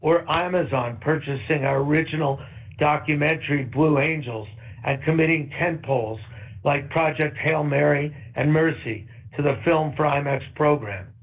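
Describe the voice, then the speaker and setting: Brief: male exec, fairly high voice, scripted upbeat delivery, dull conference call sound. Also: moderate pace. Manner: steady, upbeat, read from a script. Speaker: company executive. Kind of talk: prepared earnings call remarks. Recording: muffled conference call audio.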